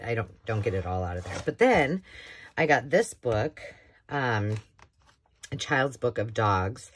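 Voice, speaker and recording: A woman's voice: extremely low pitch, a little hiss or hum. A woman hosting a casual show-and-tell of thrifted books, chatty and rambling with enthusiastic asides, filmed indoors at a craft table. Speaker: craft channel host.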